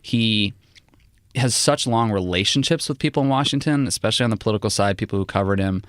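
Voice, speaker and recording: A male political journalist guest chatting casually on a podcast, rambling with many "like"s and jumpy pitch. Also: fast talker, no room sound, clean studio sound. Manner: rambling, many "like" fillers, animated pitch jumps.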